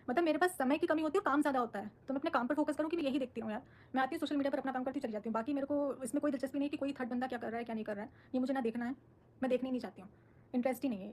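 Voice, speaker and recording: A woman talks quickly and firmly on a live stream, answering the comments her viewers send her. She sounds defensive and outspoken, and her voice sits fairly high for a woman. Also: a little mellow. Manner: firm, defensive, speaks her mind. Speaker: social media creator on a live stream.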